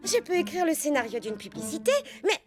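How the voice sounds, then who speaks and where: A woman playing an excitable, polite young bookworm in a children's cartoon, expressive and a little hesitant. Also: high-pitched, fairly quick. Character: bookish, excitable young female storyteller and skate inventor. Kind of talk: animated children's cartoon dubbing. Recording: background music under the voice.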